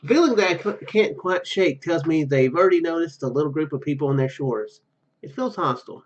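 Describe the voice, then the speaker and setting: A man's voice: a little high, fairly quick. A man reading a game's narration aloud and adding casual commentary as a gaming video host, on a slightly lo-fi microphone.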